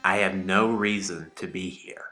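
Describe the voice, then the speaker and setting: Man as protective young trainer, reluctant, terse, low-pitched, audio drama, faint music behind. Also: fairly even intonation, unhurried, sharp tone. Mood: guarded. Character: reluctant young male Pokemon trainer, protective of his companion.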